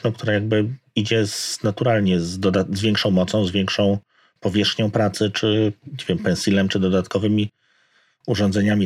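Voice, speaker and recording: A man's voice: on the low side, darkish tone, slightly rough. A man co-hosting a casual tech podcast, explaining things and searching for words mid-sentence. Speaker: podcast co-host.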